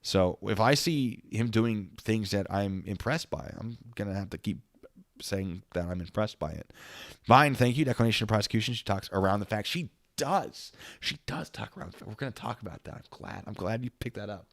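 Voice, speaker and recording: A man's voice: lowish voice, brisk, creaky, no room sound, clean studio sound. A man giving casual, off-the-cuff commentary on a livestream, often amused and speaking to his chat. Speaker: livestream commentator reacting to court footage; former interrogator and investigator.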